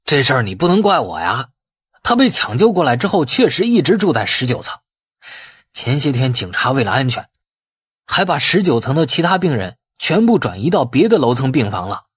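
A man's voice: medium pitch, very animated, fairly quick, slightly rough, no echo. A man voicing a frightened hospital official in an audiobook, making excuses in a panicky, defensive way. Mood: frightened, pleading.

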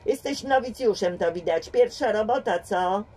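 A woman voicing a gruff middle-aged man posing as a police inspector, with a curt, dry, officious manner. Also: medium pitch, lively intonation, moderate pace, a little mellow, lightly acted. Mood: mock-friendly. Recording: distant home mic.

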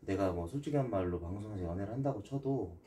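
A man's voice: lowish voice, animated, quick pace, mellow, far from the mic, slight background noise. A man streaming casual chat, pleading and asking the same questions again and again. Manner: pleading, repeats questions over and over.

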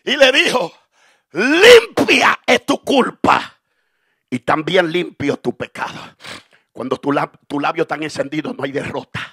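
A man preaching a fervent Pentecostal sermon, his voice rising to shouts of praise. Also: on the high side, very animated, normal speed, slightly rough, no room sound, studio quality. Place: church service.

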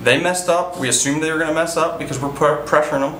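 Baseball manager guy in his 30s, earnest, lots of ums, a bit high voice, roomy press room. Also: quick pace, fairly bright tone, slight background noise. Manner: earnest, repeats himself, frequent fillers. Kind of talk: post-game press interview. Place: indoor press room before a sponsor backdrop.

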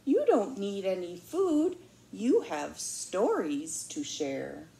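Woman playing a tiny kind mouse, squeaky and high, slow, roomy echo. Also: big pitch swings, gravelly, warm tone, heavily acted. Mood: comforting.

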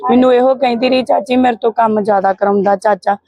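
A woman's voice: fairly high pitch, fairly even intonation, fast talker, mellow. A Punjabi woman, the victim's aunt, answering a reporter and steadily recounting phone calls. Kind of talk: interview answers.

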